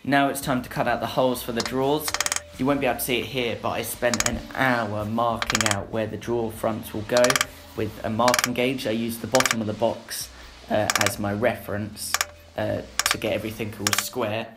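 A young man narrating a woodworking build in a relaxed voice-over, with frequent filler sounds. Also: medium pitch, moderate pace, very noisy. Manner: plain, easygoing, frequent "uh" fillers. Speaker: woodworking channel host. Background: background music.

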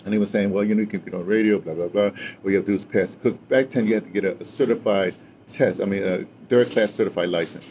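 Lowish in pitch and quick in pace, this sixty-something American guest rambles animatedly through memories of his radio career, drifting off on tangents and checking in with "right?" and "you know." He's outside near a wooden-awninged house, and clear outdoor ambience is audible.

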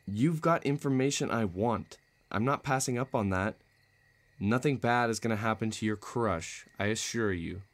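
A man's voice: lowish voice, normal speed, close to an everyday voice. A man playing a cocky, menacing villain in a romantic audio roleplay, taunting and self-assured. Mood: impatient, threatening. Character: cocky, menacing male villain, playful but threatening.

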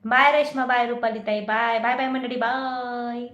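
High-voiced, bright, chatty woman livestreamer. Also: steady tone, normal speed, reverberant, lo-fi sound. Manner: chatty, teasing, laughs often. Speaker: livestream host. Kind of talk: casual live chat reading viewer comments.

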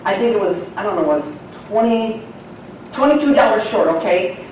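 A woman's voice: mid-range voice, expressive, moderate pace, a little mellow, a little hiss or hum. Folksy woman teaching in an echoey church. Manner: folksy, chatty, laughs often. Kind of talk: Bible teaching. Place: church sanctuary. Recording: echoey church hall from far off.

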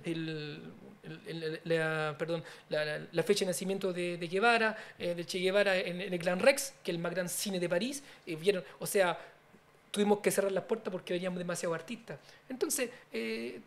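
A middle-aged man from Chile who grew up in France, answering as a guest in a small studio. He talks earnestly and at length, circling back with fillers and restarts as he builds each point, close on a boom-arm studio mic. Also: normal speed, fairly bright tone. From Chile, raised in France. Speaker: guest, politician.

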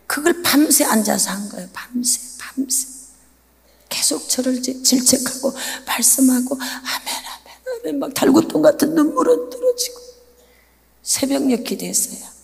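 A woman pastor preaching an early-morning sermon, telling a story with acted-out prayers and moving from soft asides to shouts. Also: high-pitched, big pitch swings, normal speed, creaky. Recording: long church-hall reverb.

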